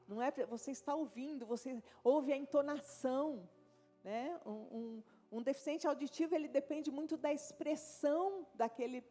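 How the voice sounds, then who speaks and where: A Brazilian woman pastor preaching in a church, her voice sitting fairly high. She talks to the congregation like a chat, with constant tag questions and asides. Soft music plays underneath. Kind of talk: sermon. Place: church service.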